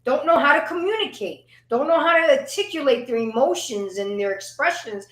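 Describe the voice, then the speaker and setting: A fairly high-voiced woman talking with passion in a casual panel chat, cursing freely and tripping over repeated words as she builds a point. Her voice carries the echo of a bare, roomy space. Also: expressive, a little fast. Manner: emphatic, profane, repeats words when worked up.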